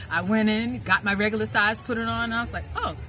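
The speech moves at a fairly quick pace. Noticeable background noise sits under a dry sound with no echo. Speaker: interviewee, guest. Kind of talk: interview answer. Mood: relaxed, animated storytelling. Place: garden. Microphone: phone near.

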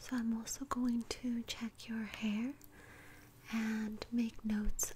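At a very slow pace, a soft-spoken woman talks over light background noise. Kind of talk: soft-spoken roleplay. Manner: soft, hushed ASMR speaking voice. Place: home room. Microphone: earbuds.

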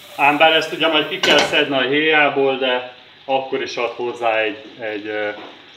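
A man talks with ordinary pitch variation over noticeable background noise. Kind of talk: tutorial. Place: kitchen.

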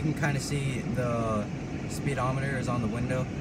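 Over loud background noise, a man speaks with ordinary pitch variation, the sound dry with no echo. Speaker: amateur car reviewer. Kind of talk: car walkaround commentary. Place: car. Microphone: phone near.

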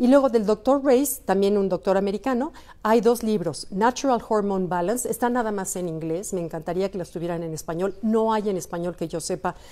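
A woman with a dark, mellow tone talks at a fairly quick pace, at a medium pitch with ordinary pitch variation. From Mexico. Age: 60s. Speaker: lifestyle author and speaker; speaker. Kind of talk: talk to camera. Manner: conversational, informal. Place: garden. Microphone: phone near.

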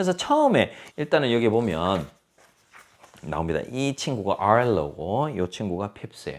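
Pitched fairly low, a man speaks in an animated tone with very wide pitch swings. His pace is moderate, broken by long, frequent pauses. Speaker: children's book reviewer. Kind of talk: book review tutorial.

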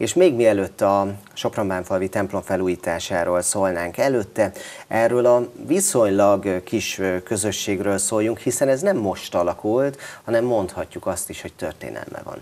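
Fairly slow male speech with ordinary pitch variation. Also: fairly low pitch for a man. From Hungary, Sopron; Hungary. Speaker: TV host. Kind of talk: interview. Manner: formal. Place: studio. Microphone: lapel.

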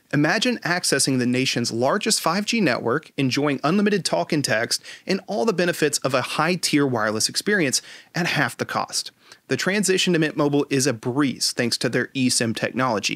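Against a quiet background, a man speaks at a fairly quick pace with lively intonation and a dry sound with no echo. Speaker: tech channel host. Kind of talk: sponsor read. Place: home room. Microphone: studio mic.

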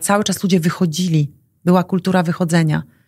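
The speaker is a woman going at a very fast pace. She keeps her intonation fairly even. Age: 40s. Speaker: coach. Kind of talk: casual chat. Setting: studio. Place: studio. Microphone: studio mic.

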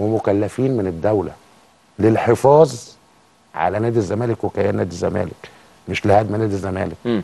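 This man's voice has a dark, mellow tone and fairly low pitch, with ordinary pitch variation at a moderate pace. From Egypt. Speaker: football club board member; guest. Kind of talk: TV interview. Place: studio. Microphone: lapel.

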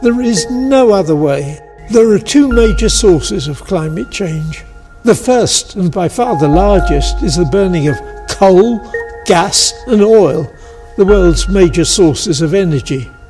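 Clear music sits in the background. A man with a high pitch speaks at a fairly slow pace. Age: 80s+. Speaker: social scientist. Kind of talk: direct address to camera, advocacy talk. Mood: grave, urgent. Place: garden. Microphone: lapel.

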